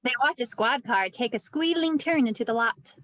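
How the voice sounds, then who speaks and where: A woman's voice: on the high side, normal speed, a bit bright. A woman narrating the stage directions of a script at a table read.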